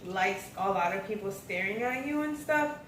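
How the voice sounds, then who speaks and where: A woman's voice: mid-range voice, animated, moderate pace. A young American woman vlogger in casual, informal storytelling chat. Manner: informal, acts out quoted remarks. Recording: echoey room, distant mic, faint noise.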